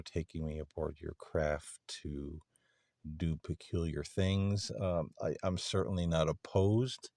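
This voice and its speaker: A man speaking politely and tentatively in halting phrases, as if putting careful questions in a paranormal session. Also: very deep voice, darkish tone, no echo, clean studio sound. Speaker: paranormal channel host.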